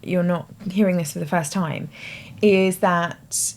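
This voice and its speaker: A woman's voice: fairly low pitch, steady tone, measured pace, darkish tone. A British woman hosting her own show, explaining ideas in a thoughtful, conversational way with hedging asides. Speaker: host. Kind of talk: explanatory talk to camera.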